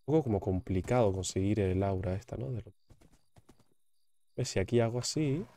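A man's voice: on the low side, moderate pace, warm tone. Chatty young man gaming. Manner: chatty, repeats words, jokey asides. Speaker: gaming YouTuber. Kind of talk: casual gameplay commentary.

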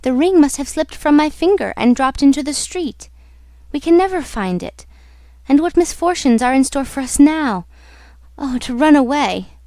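A woman's voice: sits high, lively intonation, moderate pace, vocal fry, a little mellow, no room sound. A woman voicing a fearful, earnest young female opera singer in a dramatic, pleading manner for a storybook. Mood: despairing.

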